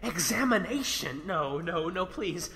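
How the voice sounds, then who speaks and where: A man's voice: high voice, animated, unhurried, pushed and bright, exaggerated voice. An actor playing a frightened young male apprentice in a fantasy audio drama, nervous, stammering and pleading. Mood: anxious pleading. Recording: long echoing reverb, noisy ambience.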